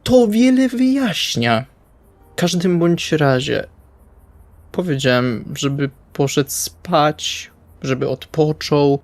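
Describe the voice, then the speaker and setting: A man's voice: fairly high pitch, animated, slow pace, no room sound. A man playing a blunt, exasperated male vampire in an improvised tabletop roleplay, speaking colloquially and hesitantly, with music behind him. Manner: colloquial, swearing, hesitant phrasing.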